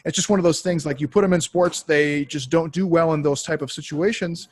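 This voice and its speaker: A man co-hosting an online webinar in casual chat, talking in a relaxed, rambling way with many fillers, over a computer mic. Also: a little high, brisk, husky. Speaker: webinar co-host.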